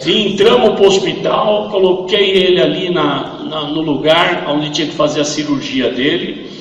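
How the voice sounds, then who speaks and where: Brief: man with a high voice giving a church testimony, acting out the voices in the story, heard from far off in a big echoey hall. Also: moderate pace, highs cut off. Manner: retells a story acting out the voices, rising to loud fervent preaching.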